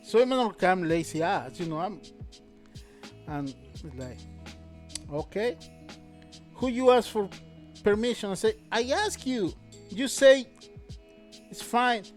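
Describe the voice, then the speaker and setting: A man's voice: high voice, lively intonation, slow pace, long pauses. Middle-aged man, casual storytelling, broken English grammar, laughs often, music faint behind. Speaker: guest, host's father.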